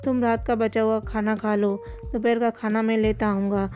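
A woman's voice: on the high side, little pitch movement, narrow, tinny audio, soft background music, lightly acted. A woman voicing a middle-aged male shoe trader who talks in a coaxing, fatherly way, in a storybook reading.

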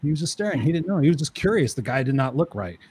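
A man's voice: fairly high pitch, big pitch swings, fast talker, a little mellow, husky. A man hosting a casual chat show, telling stories animatedly and acting out the dialogue. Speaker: show host.

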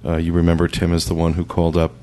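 A male podcast host with a very low voice, talking in an easygoing, chatty way. He restarts his sentences now and then as he reads out voicemails. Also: fast talker. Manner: relaxed, chatty, stumbling restarts. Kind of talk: casual podcast chat.

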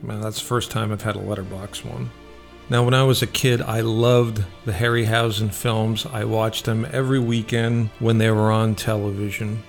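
Male radio host for casual solo reviews. Creaky voice, conversational, thinking aloud, music underneath. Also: lowish voice, flat delivery, normal speed.

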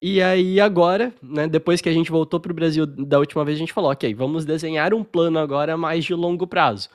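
A young Brazilian man with a Brazilian Portuguese accent, a podcast guest telling his story in casual interview chat over a video call, relaxed and full of fillers. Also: fairly high pitch, brisk.

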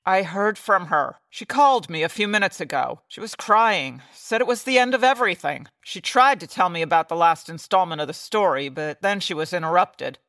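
Woman acting anxious female client, earnest, urgent, lively intonation, echo-free, old-time radio noir. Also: lowish voice. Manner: urgent, melodramatic.

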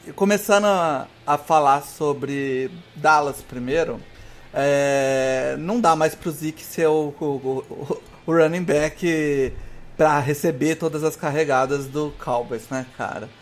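A man's voice: fairly high pitch, slow pace, soft background music. A man with a Brazilian Portuguese accent chatting casually about sports as a podcast panelist. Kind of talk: casual chat about American football.

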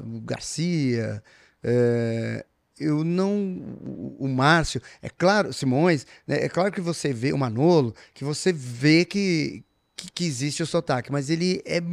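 A man's voice: mid-range voice, unhurried, vocal fry. A man, chatting casually about his work as a voice actor. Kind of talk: casual chat.

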